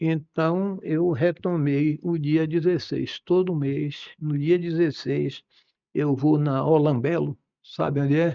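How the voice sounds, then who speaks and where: A man speaks at a very slow pace, his fairly high pitch held in fairly even intonation. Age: 80s+. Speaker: lawyer. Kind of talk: interview. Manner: halting.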